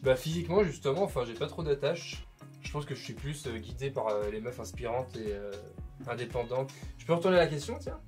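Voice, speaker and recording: A young man with a Swiss French accent chatting casually on a blind date, hesitant and full of filler pauses. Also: mid-range voice, expressive, over music. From Switzerland. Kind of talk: casual chat.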